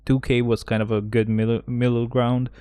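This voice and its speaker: A man's voice: medium pitch, little pitch movement, moderate pace, mellow, clear, resonant tone, no echo, studio quality. A man live-streaming a game, chatting casually with his viewers, joking and rambling and laughing at his own bits.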